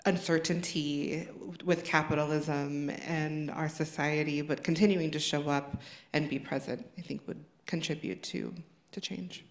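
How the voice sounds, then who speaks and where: A woman panelist and birth worker speaking calmly and reflectively, her sentences trailing off softly. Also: deep voice, a little slow. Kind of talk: panel discussion. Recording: echoey room.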